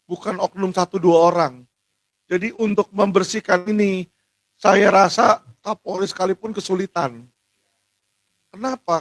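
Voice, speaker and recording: A man, a lawyer speaking out in an impassioned monologue, indignant and at times shouting. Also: sits high, dry recording. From Indonesia. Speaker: lawyer speaking out on legal injustice.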